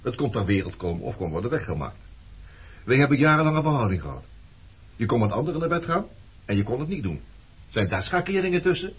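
A man's voice: mid-range voice, sing-song, quick pace, long pauses, slightly rough. An actor playing a blunt, reproachful man questioning his former lover in a Dutch radio play. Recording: muffled, noisy old radio recording.

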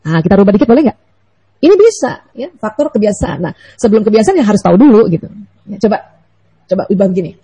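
A woman giving a lively, playful religious lecture to mothers, often asking the audience questions. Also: medium pitch, fast, breathy edge, rough recording. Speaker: Islamic lecturer.

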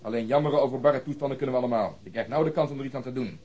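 An actor playing a bossy, sarcastic police detective in a radio play, blunt and coarse in manner. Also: male voice, medium pitch, racing, warm tone, highs cut off, lightly acted. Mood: irritated, commanding.

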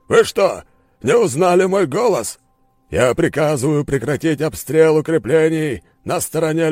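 A man's voice: mid-range voice, dry recording, studio quality, voice pushed up, close to an everyday voice. A man voicing an arrogant, furious middle-aged enemy general who barks orders in an audiobook. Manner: shouting, barking orders. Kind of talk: audiobook character voice.

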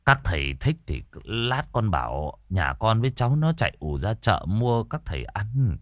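A man's voice: lowish voice, big pitch swings, normal speed, fairly bright tone, no echo, clean studio sound. A man doing a stammering, anxious village host. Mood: hesitant. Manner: hesitant, stammering.

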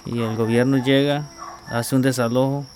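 Community spokesman, flat and hesitant, outdoors with noise behind him. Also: mid-range voice. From Costa Rica. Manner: halting, repeats words while searching. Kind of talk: field interview answers. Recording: outdoor field recording with clear background noise.

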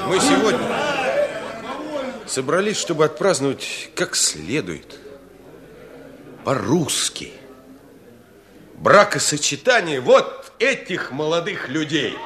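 An actor playing a commanding village man in a Russian radio drama, deliberate in speech. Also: on the high side, very animated, crowd noise. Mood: solemn, festive.

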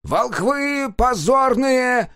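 A man voicing a loud, quarrelsome peasant brawler in a storybook, shouting high and strained. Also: big pitch swings, a little slow, dry recording, clean studio sound. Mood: yelling.

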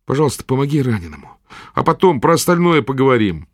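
A man's voice: mid-range voice, big pitch swings, quick pace, no echo, studio quality, pitched above the performer's own voice. A man voicing an earnest young village lad who speaks urgently and pleadingly. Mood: defiant.

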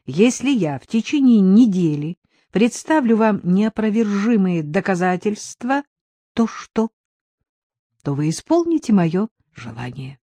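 A woman's voice: medium pitch, big pitch swings, measured pace, warm tone, no echo. A woman voicing a playful, self-assured male lawyer in an audiobook reading. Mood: teasing.

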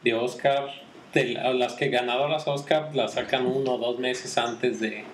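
A man talks films in a casual, halting way, often restarting as he searches for words. His voice sits at an ordinary middle pitch. The room is echoey, with a faint hiss of noise behind him. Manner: hesitant, restarts often, relaxed. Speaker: podcast co-host, film commentator. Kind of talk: casual chat. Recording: roomy echo with faint background noise.

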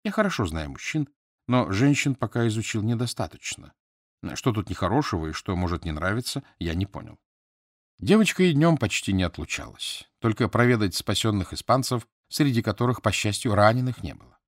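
Low-voiced man reading a story. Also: animated, a little fast, no room sound, studio quality. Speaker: audiobook narrator. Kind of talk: scripted narration.

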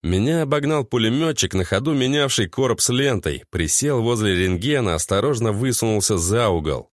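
A man giving steady, measured first-person audiobook narration. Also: on the low side, no room sound.

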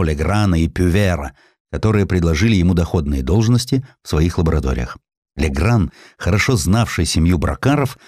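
Male audiobook narrator, deep and lively, voices the dialogue, studio-dry. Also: dry recording. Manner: expressive reading, voices characters in quoted lines. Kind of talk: audiobook narration of a historical essay with acted dialogue.

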